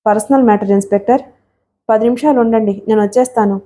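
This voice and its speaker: Woman voicing storybook villain: arrogant young man, gloating, high mellow voice. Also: fast talker, a little hiss or hum, natural voice. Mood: smug. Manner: taunting, cold and gloating. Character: arrogant wealthy young male villain, mocking.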